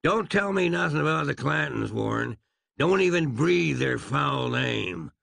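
A man's voice: fairly high pitch, expressive, measured pace, creaky, a bit bright, dry recording, studio quality, pitched above the performer's own voice, heavily acted. A man voicing a grandiose, vengeful Old West marshal who talks in pompous, folksy frontier phrases. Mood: menacing.

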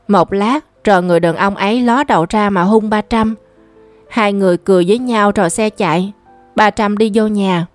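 A woman reading a novel aloud as an audiobook narrator, steady and even. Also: mid-range voice. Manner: steady storytelling delivery. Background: faint music.

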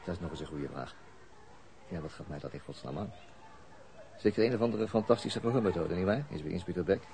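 A man's voice: low-pitched, expressive, fast talker, a little mellow. An actor playing a wry, self-mocking police detective in a radio drama, dry and sometimes hesitant in his delivery. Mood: sardonic musing. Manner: dry, sardonic, hesitant when talking. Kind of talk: radio drama dialogue and ironic inner monologue. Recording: noisy radio play with background ambience.

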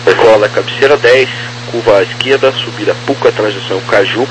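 A man working as an air traffic controller, reading out procedural clearances over two-way radio. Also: fairly low pitch, a little fast. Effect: two-way radio transmission. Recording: noisy humming two-way radio.

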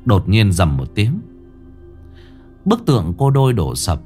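A man's voice: lowish voice, wildly swooping pitch, a little slow, a little mellow, soft background music. A man narrating a ghost story in a dramatic storytelling manner.

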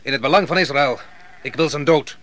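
An actor playing a proud, vengeful army commander in a radio play, with a boastful, commanding manner. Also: male voice, a little high, a little fast, a bit bright, close to an everyday voice. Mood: grim, determined.

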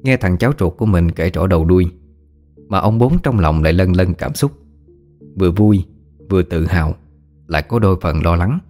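A man narrating a story in a measured, steady storytelling manner. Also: low voice.

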